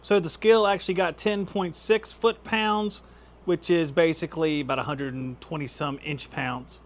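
There's a faint hiss or hum on the clip-on lapel mic as a man in his thirties, slightly high-voiced, talks at a moderate pace. He hosts a casual hands-on tool-testing channel from his indoor home workshop lined with power tools, staying easygoing and laughing at his results.

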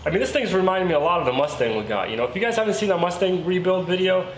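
A man's voice: high-pitched, animated, rapid-fire. A man in his thirties chatting casually to viewers as a vlog host, with informal, colloquial phrasing, recorded in a garage. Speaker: car rebuild vlog host. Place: garage workshop, indoors. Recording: roomy echo, faint background noise.

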